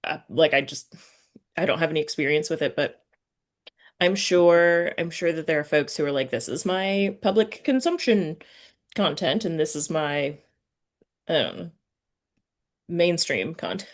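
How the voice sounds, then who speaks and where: A woman with a low-pitched voice chats as an interviewer. She is informal and rambling, often breaking off and restarting her own thoughts. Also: a little slow, long pauses. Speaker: podcast host, interviewer. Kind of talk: casual chat.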